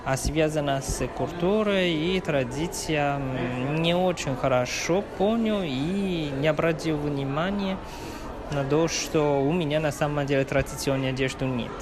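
Slow-speaking man, higher voice. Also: crowd noise. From Taiwan. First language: Atayal. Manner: slow, searching for words. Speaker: co-host. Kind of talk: casual chat on a museum tour. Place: museum exhibition.

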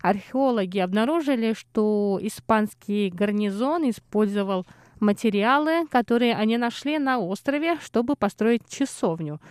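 A woman radio host reads a scripted feature into a studio microphone with a measured, even delivery. Her voice sits at a middle pitch and the sound is close and dry, with no room around it. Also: clean tone, dry recording.

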